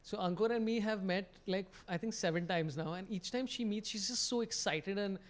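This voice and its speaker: A man hosting a casual comedy podcast, joking and rambling with quick asides. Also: high voice. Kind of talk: casual chat.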